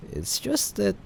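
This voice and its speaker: A man acting a caring, teasing young guy friend in an intimate audio roleplay. His voice has a gravelly fry and he takes his time, with hesitant pauses. Light noise and rain sit behind him. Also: high voice, full character voice. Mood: shy, tender. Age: young adult. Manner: halting, hesitant, with sighs and soft chuckles. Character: teasing, affectionate young male friend, awkward but caring. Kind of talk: improvised intimate audio roleplay addressed to the listener. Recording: steady background noise, rain ambience. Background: rain sound effects.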